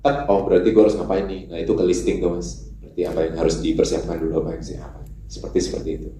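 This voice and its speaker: Deep-voiced man at a press conference. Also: steady tone, very fast, vocal fry, mellow. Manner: earnest, rambling with fillers and asides. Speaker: voice actor for the film. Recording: echoey hall with faint ambience.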